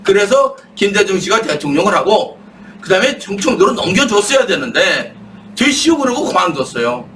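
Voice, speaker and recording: Emphatic high-voiced man speaking from a distance. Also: a little hiss or hum. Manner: rhetorical, asks and answers his own questions; emphatic, rising to shouts when worked up. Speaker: guest speaker. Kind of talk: impassioned political talk. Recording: distant mic with faint room ambience.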